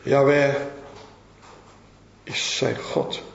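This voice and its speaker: A man's voice: flat delivery, extremely slow, creaky. Emphatic preacher man in an echoey hall. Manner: emphatic, dramatic swings in pitch and loudness. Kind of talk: sermon with Bible reading. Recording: echoey hall, dull lo-fi sound.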